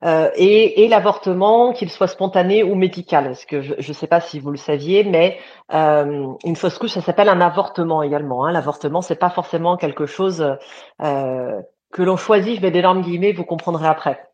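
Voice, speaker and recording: A woman's voice: fairly low pitch, normal speed, a little mellow. Woman host, love coach, chatty, hesitant fillers, dull lo-fi audio. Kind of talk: live online interview. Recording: dull lo-fi sound.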